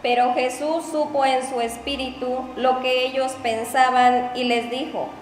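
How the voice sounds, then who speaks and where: A woman reading Bible passages aloud in a steady, plain way. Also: high voice, unhurried, soft background music. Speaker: scripture reader. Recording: echoey hall with long reverb, faint ambience.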